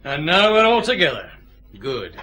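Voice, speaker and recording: A commanding Scottish chief inspector in a radio drama, with a bright, forceful tone. His clipped orders rise and fall with lively pitch. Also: moderate pace, exaggerated voice, poor audio. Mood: stern. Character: male Glasgow detective chief inspector, commanding.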